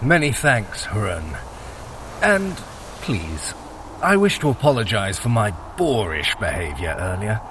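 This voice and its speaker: An actor playing a sly, haughty, irritable Norse trickster god in an audio drama, sardonic and theatrical. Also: male voice, lowish voice, big pitch swings, measured pace, a bit bright. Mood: smooth, apologetic. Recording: noticeable outdoor ambience noise.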